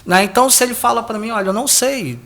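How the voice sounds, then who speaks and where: High-voiced man explaining polling. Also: quick pace, fairly bright tone. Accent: Brazilian Portuguese. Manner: explains at length, with many restarts and tag questions. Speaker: political analyst and pollster. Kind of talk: explanatory interview answers.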